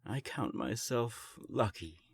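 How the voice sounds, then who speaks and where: A man playing an ancient, powerful vampire in an audio drama, gravelly, taunting and self-assured. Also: mid-range voice, animated, slow pace, exaggerated voice. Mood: smug, amused. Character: smug, ancient, powerful male vampire enforcer. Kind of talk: scripted audio drama acting.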